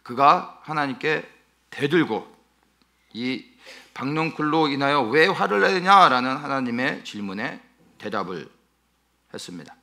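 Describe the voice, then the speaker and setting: A male pastor preaching an expository sermon, emphatic and animated, often asking his listeners rhetorical questions. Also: medium pitch, normal speed.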